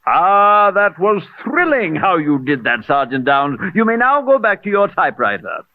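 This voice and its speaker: An actor playing a flowery, sardonic police records clerk who speaks in ornate, theatrical phrases. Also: male voice, high voice, sing-song, moderate pace, a little hiss or hum. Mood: mock-grand. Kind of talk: 1940s radio acting. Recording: thin, phone-like old radio broadcast.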